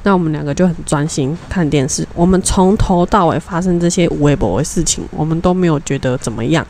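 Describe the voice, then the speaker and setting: Young woman, podcast co-host, lowish voice, animated storyteller, faint background noise. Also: quick pace. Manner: animated storytelling, acts out quoted dialogue. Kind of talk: casual storytelling chat.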